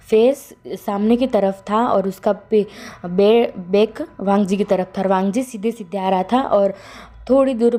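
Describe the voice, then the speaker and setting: A young woman tells a fan fiction story in a loose, rambling way, filling gaps and correcting names as she goes. Her voice is soft and mellow, at an ordinary pitch. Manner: rambling, frequent fillers and self-corrections. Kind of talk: casual storytelling narration.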